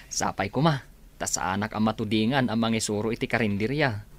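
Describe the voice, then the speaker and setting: An actor playing a friendly village eatery owner who speaks humbly and politely. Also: male voice, on the low side, normal speed, lightly acted. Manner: deferential, says sir often. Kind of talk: Ilocano radio drama acting.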